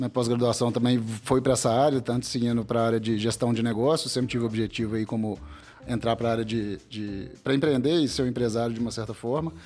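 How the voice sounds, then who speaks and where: With a strong Minas Gerais accent, the speaker talks at a very fast pace and keeps the intonation fairly even. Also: man, medium pitch for a man. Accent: strong Minas Gerais (mineiro). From Minas Gerais, Brazil (Belo Horizonte). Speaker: marketing executive, business owner. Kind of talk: interview podcast.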